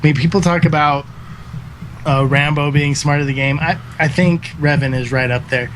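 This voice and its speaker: A man's voice: a little high, fairly even intonation, moderate pace, slight background noise. A man in his thirties, a guest esports caster, talking earnestly in a casual podcast interview, with lots of fillers. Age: 30s. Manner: earnest, rambling with many fillers.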